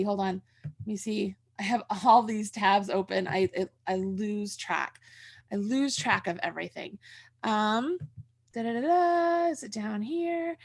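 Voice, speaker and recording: A woman's voice: fairly high pitch, gravelly, a bit bright. A middle-aged woman hosting a casual craft livestream over a video call, chatty and rambling as she thinks aloud. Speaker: host of a crochet tutorial livestream. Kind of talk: casual livestream chat and instruction. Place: room at home. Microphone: video call from a desk.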